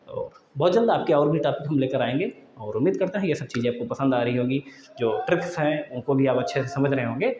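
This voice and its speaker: A man's voice: sits high, a little mellow, roomy sound, highs cut off. A man teaching an exam-prep grammar lesson, explaining patiently and often repeating key points to his students.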